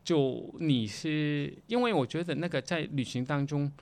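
Man speaking halting. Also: on the high side, darkish tone. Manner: halting, repetitive, mixing English words into Mandarin. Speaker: guest. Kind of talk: casual conversational interview.

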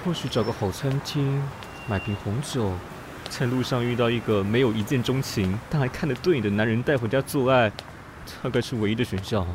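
A man's voice: medium pitch, fairly quick, noisy background, natural voice. An actor playing a fussy, snobbish, theatrically exasperated gay city man in a sarcastic radio drama. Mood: grumbling, disdainful. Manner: melodramatic, sarcastic, swinging from muttering to shrieking. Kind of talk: radio drama acting with inner monologue.

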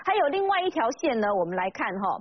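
A woman's voice: on the high side, sing-song, fast, a little hiss or hum. A woman hosting a political talk show, chatty and full of tag questions. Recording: slightly dull broadcast audio.

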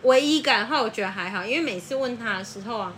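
A woman, a mother of a young child, chatting casually and telling lively family stories, often laughing and acting out voices. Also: fairly high pitch, fast, slight background noise. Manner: animated storyteller, acts out child's voice, laughs often. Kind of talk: casual chat.

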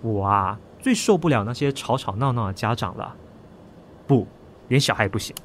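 A young male cop played by an actor with a very lively, bouncing intonation and a Taiwanese accent. He is easygoing, talkative and a bit of a grumbler, in radio drama style with faint background noise. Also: mid-range voice, moderate pace, natural voice. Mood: chatty. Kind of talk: Mandarin audio drama acting.

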